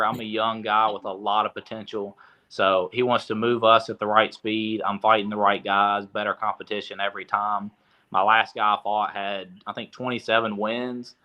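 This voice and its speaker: A young man from Tennessee, a boxer, answering interview questions in a relaxed way with lots of fillers. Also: lowish voice, dull audio. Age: young adult. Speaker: boxer, guest.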